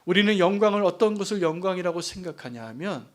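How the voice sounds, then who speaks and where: A middle-aged male pastor delivers a Sunday sermon in a slightly higher-than-usual voice. He speaks earnestly, building to emphatic peaks and then falling soft for asides. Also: expressive, quick pace.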